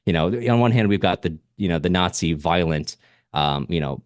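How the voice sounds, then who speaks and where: A man's voice: deep voice, animated, normal speed, no echo, clean studio sound. A man co-hosting a podcast, talking through a book in a casual, discursive and analytical way, often rephrasing himself mid-thought. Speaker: podcast co-host discussing a novel.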